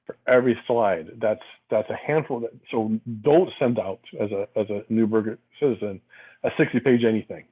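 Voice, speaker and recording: A man's voice: lowish voice, moderate pace, husky. A man making rambling, emphatic comments as a committee member at a public meeting, heard over a phone line. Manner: emphatic, rambling, restarts often.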